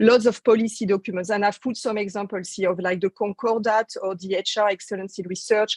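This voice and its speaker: In a French accent, the speaker talks at a fairly quick pace with fairly even intonation, the sound dry and close with no echo. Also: woman, medium pitch for a woman, hardly any pauses. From France. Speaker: researcher development consultant. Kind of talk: panel presentation. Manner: halting.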